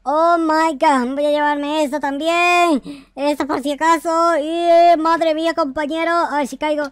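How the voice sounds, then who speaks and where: A man playing an excitable, foul-mouthed noob boy warrior in an improvised video game roleplay, speaking in slangy, repetitive exclamations. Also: very high-pitched, measured pace, dry recording, clean studio sound. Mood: musing. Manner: exclamatory, slangy, repeats words. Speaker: gaming YouTuber. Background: background music.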